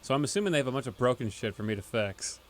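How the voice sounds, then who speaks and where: A man co-hosting a casual podcast, explaining at length in a relaxed way with many fillers. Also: medium pitch, very fast. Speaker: podcast co-host, band member. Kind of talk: casual chat.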